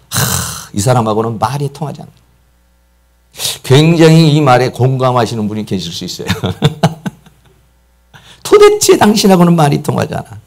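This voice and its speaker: A middle-aged Korean pastor preaching a sermon emphatically, acting out quotes and piling up repeated words for stress. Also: male voice, mid-range voice, creaky. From South Korea. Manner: emphatic, acts out quoted speech, repeats "막" often.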